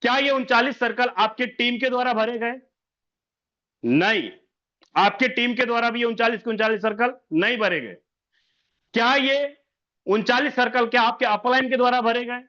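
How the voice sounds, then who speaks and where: Male presenter with a bright, forceful voice, drilling sums and quizzing listeners as sir on a muffled online call. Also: extremely high pitch, fairly even intonation, brisk. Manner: repeats figures, fires rhetorical questions, keeps saying sir. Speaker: business presenter. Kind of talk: sales presentation over an online meeting.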